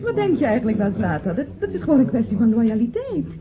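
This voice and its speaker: High, fluttery society woman. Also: sing-song, quick pace. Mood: affected. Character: affected, well-off society woman, defensive and chatty. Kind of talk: Dutch radio play dialogue. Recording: dull old radio recording, party chatter behind.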